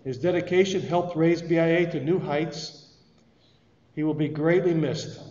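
A man introducing the speaker at a ceremony, formal and measured. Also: on the high side, darkish tone. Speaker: ceremony announcer. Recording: echoey hall, distant mic, dull.

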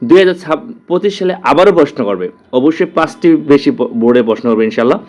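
A man's voice: on the high side, animated, fast, darkish tone. A man with a Bangladeshi Bengali accent teaching an exam-prep lesson, repeating answers and correcting himself aloud. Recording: dull lo-fi audio.

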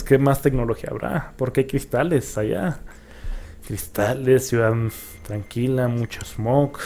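A young man talks through a hard video game in a gravelly, creaky voice. He jumps between muttering to himself and sudden yelps and curses whenever the game goes wrong. His pitch sits right in the middle for a man. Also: slight background noise. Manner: excitable, swears and yelps at the game. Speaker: gaming YouTuber. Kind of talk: let's play commentary.

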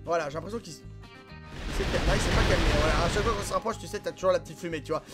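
A man hosting a gaming channel, commenting casually and excitably on gameplay, filling his talk with voilà and hein. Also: sits high, rapid-fire. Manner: excitable, filler-heavy, frequent voilà and hein. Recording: game music clearly behind voice. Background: background music and in-game explosions.

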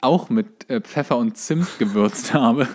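A man's voice: medium pitch, measured pace. A man co-hosting a podcast, recounting anecdotes in colloquial, conversational speech. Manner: colloquial, acts out dialogue in stories. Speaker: podcast co-host. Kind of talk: casual chat, anecdotes.

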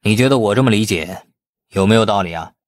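A man's voice: lowish voice, quick pace, no echo, studio quality, lightly acted. A man voicing a stern middle-aged police chief in an audiobook, questioning with patient, insinuating manner. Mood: probing, measured.

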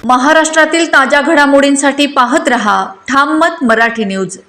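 A woman with a high voice reads the channel's intro and outro lines in a bright, promotional way. Soft music runs faintly underneath. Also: normal speed. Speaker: channel announcer.

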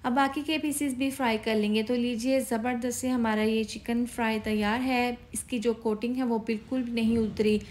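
A woman with a Pakistani Urdu accent, hosting a cooking channel and giving a steady, step-by-step recipe voice-over. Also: on the high side, normal speed, hardly any pauses.

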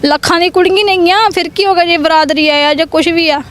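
A woman's voice: very high voice, steady tone, fast, fairly bright tone. A young woman giving urgent, aggrieved interview testimony, repeating her points. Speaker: interviewee, complainant.

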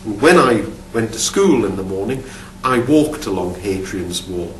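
A middle-aged Geordie man speaks in a lowish voice, answering interview questions about his field with thoughtful pauses and repeated false starts. He sits in a studio with a dark backdrop, caught by a mic set some distance away. The sound is roomy and carries a faint hum. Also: lively intonation. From Newcastle upon Tyne, England. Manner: thoughtful, many restarts and repeated words. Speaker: archaeology professor.

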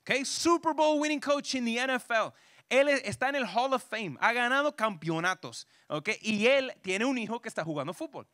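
A man's voice: extremely high pitch, animated, normal speed, a bit bright, no echo, studio quality. A man leading a church parenting workshop. He says each point twice, asks the audience questions, and keeps checking in with "right?" and "you know". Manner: restates each point twice, switching back and forth.

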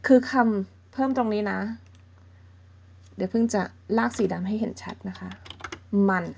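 A woman's voice: medium pitch, vocal fry, breathy edge. A woman teaching a beginner language lesson, explaining patiently step by step and often checking in with her listeners. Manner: patient, explains slowly and checks in with softening particles.

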